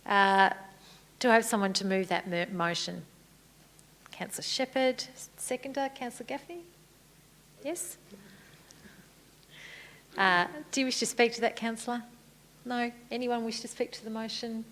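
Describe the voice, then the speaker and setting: Brisk woman chairing a council meeting. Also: on the high side, a bit bright. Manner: brisk, procedural, lightly good-humoured. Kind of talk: formal meeting procedure. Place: council chamber.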